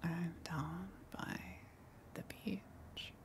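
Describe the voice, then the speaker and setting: A woman playing a gentle eldritch tentacle monster in an ASMR roleplay, coaxing and soothing in a breathy whisper with long pauses. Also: on the low side, fairly even intonation. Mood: reassuring, luring.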